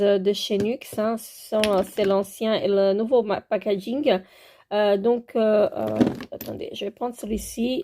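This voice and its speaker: A beauty vlogger with a French accent shows off her skincare products in a casual vlog, moving around as she handles them. Her mid-range voice is mellow, and her delivery is hesitant and full of filler sounds.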